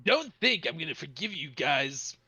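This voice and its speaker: A man's voice: fairly high pitch, big pitch swings, moderate pace, pushed and bright, husky, no echo, exaggerated voice. A man voicing a sulky, dramatic young man in a petulant reading.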